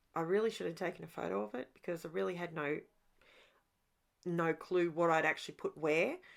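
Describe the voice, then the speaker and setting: A woman with an Australian accent talks at a fairly quick pace, her pitch fairly low. Vocal fry shows up, and she leaves long, frequent pauses. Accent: Australian, noticeable to viewers. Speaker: craft YouTuber. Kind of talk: casual voiceover tutorial. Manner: chatty, casual with fillers.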